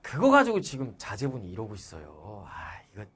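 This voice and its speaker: A smooth, hushed company manager who pressures softly from a lowered voice, as a male teacher reads him out. He sounds polite and calculating, leaning in to persuade, in a story read aloud in class. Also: wildly swooping pitch, moderate pace, heavily acted. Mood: pressuring. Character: polite scheming middle-aged male labor manager.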